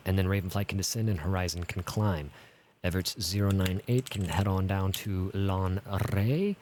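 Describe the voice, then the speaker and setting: A man with a fairly low voice gives running commentary on an air traffic control game. He thinks aloud in a casual way, mixing controller jargon with everyday talk. There is clear background noise, with typing and clicking behind him. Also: normal speed. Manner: casual, thinking aloud, swearing now and then. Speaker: streamer playing an air traffic control simulator. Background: keyboard typing and clicks.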